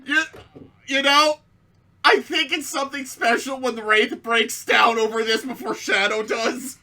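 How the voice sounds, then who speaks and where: A young woman reading a silly story aloud in an animated, mock-dramatic way, as a comic co-host. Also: on the high side, a little slow, low-quality recording.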